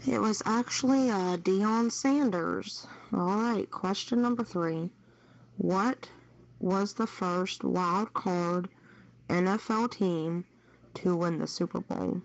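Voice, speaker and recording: A woman's voice: medium pitch, slow pace, gravelly. A woman hosting a quiz, reading out questions in an unscripted way over a muffled radio chat channel. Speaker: trivia quiz host.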